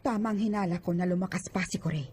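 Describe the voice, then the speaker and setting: A woman's voice: on the low side, fast, darkish tone, a little hiss or hum, close to an everyday voice. A woman voicing a mysterious, cool and knowing woman in an anime dub. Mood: warning. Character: mysterious, composed woman who warns and challenges. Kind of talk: Tagalog anime dub acting.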